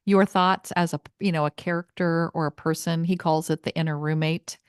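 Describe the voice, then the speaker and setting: A woman's voice: sits low, fairly even intonation, normal speed, clean tone, no room sound, clean studio sound. A middle-aged woman hosting an interview, chatty and rambling, often laughing as she talks. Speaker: podcast host and coach. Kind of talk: casual interview chat.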